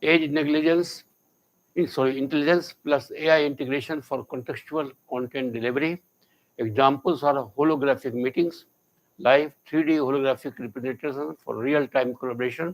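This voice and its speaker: Fairly high-pitched male speech with an Indian accent and fairly even intonation, on a very clean recording with a silent background. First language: Hindi. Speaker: professor. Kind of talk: lecture. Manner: fast.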